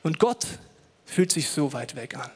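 A man's voice: a little high, very animated, unhurried, breathy edge, in a large hall. A male pastor giving a sermon in a church, speaking personally and directly to the listener and telling a story dramatically. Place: church hall.

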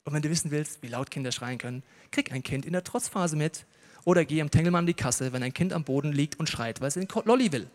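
A male preacher with a notably high voice delivers a sermon full of personal stories. He jokes with the audience and talks to them directly. The sound carries a long reverb from a large hall. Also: fast. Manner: lively storytelling, jokes with the audience.

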